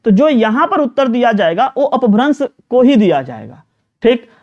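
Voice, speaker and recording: A man's voice: extremely high pitch, sing-song, moderate pace, a little mellow, muffled recording. A man from teaches a live online exam-prep class. He talks students through each question, repeats words and keeps asking them for answers, with plenty of fillers. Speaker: Hindi teacher.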